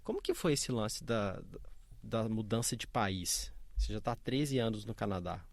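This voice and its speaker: A man's voice: lowish voice, animated, normal speed, dry recording. A man hosting a podcast, upbeat and friendly as he asks open questions. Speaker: podcast host. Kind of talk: podcast interviewing.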